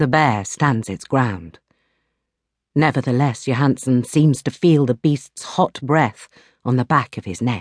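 With a dramatic tone and lively intonation, a woman speaks at a fairly slow pace in a very deep, low pitch, the sound dry and close with no echo against a quiet background. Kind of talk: audiobook narration of a thriller. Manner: tense, dramatic, building suspense.

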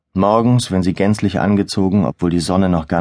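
Moderate pace over a quiet background. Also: man. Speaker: audiobook narrator. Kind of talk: audiobook narration, reading a novel aloud. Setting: studio. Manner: measured, even storytelling pace.

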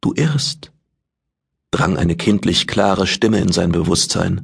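This man has a fairly low pitch and a somewhat breathy voice. He talks at a fairly slow pace with very wide pitch swings. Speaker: audiobook narrator. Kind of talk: dramatic audiobook narration of a sci-fi novel, read aloud. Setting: studio.

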